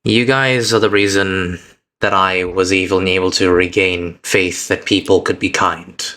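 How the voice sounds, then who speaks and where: A man streaming as a VTuber, giving a heartfelt personal speech to his chat in an earnest, reflective way, with halting restarts and an uneven pace. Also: sits low, fairly even intonation, bright, forceful tone.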